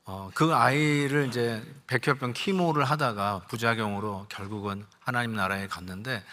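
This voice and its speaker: A man's voice: medium pitch, pushed and bright. Older male pastor telling an emotional story. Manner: emotional, conversational storytelling that acts out quoted lines; mixes in English words. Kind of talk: sermon with personal storytelling.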